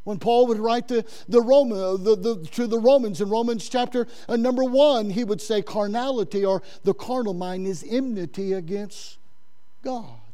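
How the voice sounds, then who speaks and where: Male pastor, middle-aged, big high voice, fervent sermon delivery with stammered repeats. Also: normal speed, mellow.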